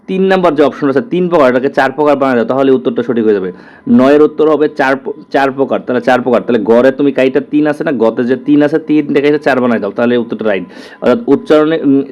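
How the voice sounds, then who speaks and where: A man's voice: mid-range voice, a little mellow. A man with a Bangladeshi Bengali accent teaching an exam-prep lesson, repeating answers and correcting himself aloud. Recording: dull lo-fi audio.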